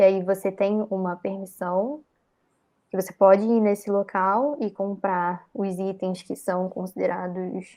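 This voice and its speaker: Speaking very slowly, a woman with a Rio de Janeiro accent uses a medium pitch. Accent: Brazilian Portuguese, carioca (Rio). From Brazil, Rio de Janeiro. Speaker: researcher. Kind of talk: live interview.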